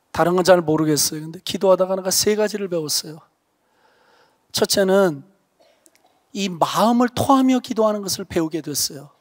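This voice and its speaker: Male pastor, high register, dry close sound; earnest testimony-driven revival preaching, sudden hushed emphasis. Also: dry recording. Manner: earnest, emphatic storytelling, drops to a hush for stress. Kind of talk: revival sermon with personal testimony. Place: church revival meeting.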